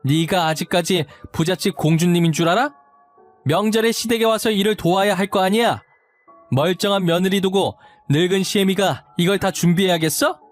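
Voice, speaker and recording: A man voicing a harsh older mother-in-law who berates her pregnant daughter-in-law with shrill contempt. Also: moderate pace, faint music behind, lightly acted. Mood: scolding.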